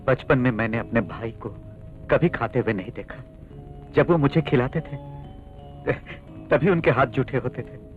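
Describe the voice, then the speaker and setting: A man voices a devoted younger brother in a dubbed drama, earnest and heartfelt. His voice sits at an ordinary pitch. The audio is thin and phone-like, with music behind. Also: takes it slowly, pauses often, close to an everyday voice. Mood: wistful. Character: loyal devoted younger brother, gentle and anguished. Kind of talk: Hindi film dubbing. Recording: tinny narrow film audio.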